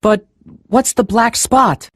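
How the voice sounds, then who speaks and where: A man's voice: steady tone, slow, slightly rough, no echo, heavily acted. A man voicing an earnest, worried young boy in a storybook reading. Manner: earnest, higher-pitched boyish voice.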